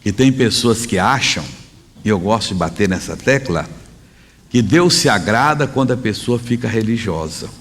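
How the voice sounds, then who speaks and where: A man preaching a sermon in a conversational, emphatic way, often pausing to correct himself. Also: fairly low pitch, expressive, a bit bright. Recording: long hall reverb.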